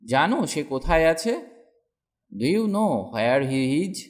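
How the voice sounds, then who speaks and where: A man leads a slow language drill, reading one line quickly and then repeating the English sentence twice at a very slow pace. His voice sits a little high and moves through a lively pitch range. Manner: reads each English sentence slowly twice after the Bengali one. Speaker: English teacher.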